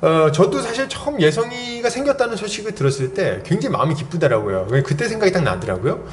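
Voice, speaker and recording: Lively, high-pitched male pastor preaching. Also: fast talker, slight background noise. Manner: lively storytelling with rhetorical questions. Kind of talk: sermon.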